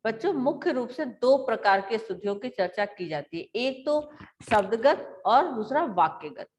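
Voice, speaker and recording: A woman teacher giving a grammar lesson to schoolchildren, explaining slowly and repeating words aloud. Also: a little high, expressive, a little hiss or hum.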